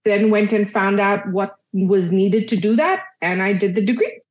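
A woman's voice: medium pitch, normal speed. A woman psychologist in her thirties from Dubai, chatting casually in an interview with lots of fillers and little acted-out exchanges. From Dubai, UAE. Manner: chatty, many fillers, acts out family dialogue. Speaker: psychologist guest.

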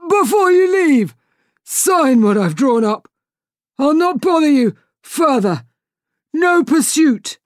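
A woman's voice: sits high, very animated, slow pace, no room sound, studio quality, pitched above the performer's own voice, full character voice. A woman voicing a pompous, bullying male pirate captain in a storybook reading, commanding and haughty. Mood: desperate. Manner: haughty and commanding, turns to pleading when scared.

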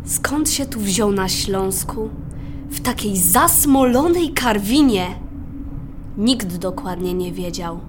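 A young female performer playing a storyteller, narrating a radio play in a measured way. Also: medium pitch, lively intonation, background noise. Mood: reflective. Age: child or teenager. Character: storyteller recalling a mining town's rumours.

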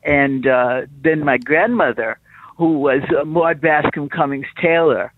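A man's voice: a little high, a little slow, no room sound. A man and singer calling in to a radio show, speaking earnestly and emphatically. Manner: earnest, emphatic, repeats himself. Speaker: caller, singer. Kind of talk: call-in talk over phone. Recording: dry tinny phone line.

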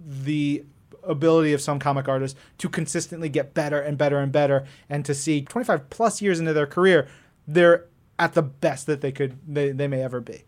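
A man's voice: a little high, steady tone, brisk. A man co-hosting a comics podcast, talking effusively and emphatically with casual slang. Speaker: podcast co-host. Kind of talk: enthusiastic comics chat podcast.

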